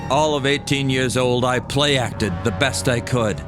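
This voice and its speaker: Male storyteller with a slightly low voice, music. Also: unhurried. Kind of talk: dramatized first-person scripted narration.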